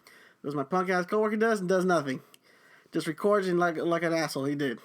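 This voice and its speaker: A young man with a high voice hosts a podcast, talking fairly quickly as he angrily vents about his job. It's a profane, ranting monologue full of heavy swearing.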